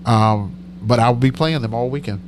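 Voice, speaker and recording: A man's voice: medium pitch, moderate pace, noisy background. A middle-aged man with a nasal voice, hosting a live stream as a DJ, chatting casually and rambling as he answers comments. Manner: rambling, self-correcting, chatty.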